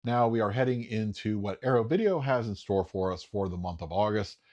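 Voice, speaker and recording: Man, lowish voice, casual solo commentator, enthusiastic, chatty with fillers. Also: fairly quick, darkish tone. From United States. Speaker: home video reviewer.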